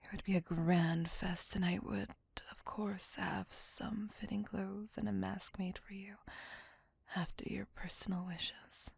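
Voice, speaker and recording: A possessive female vampire lover, voiced by a woman, whispers right up against the mic in an ASMR roleplay. Her whisper is husky and gravelly, dry and close, with nothing of the room around it. She speaks in a doting, apologetic way. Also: mid-range voice, level tone, a little mellow, no room sound, heavily acted. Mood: tender. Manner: intimate, apologetic, slow and doting.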